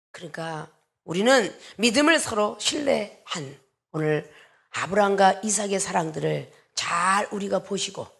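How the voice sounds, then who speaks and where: A woman pastor preaching a sermon with emphasis, acting out dialogue in different voices and sometimes shouting. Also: mid-range voice, gravelly.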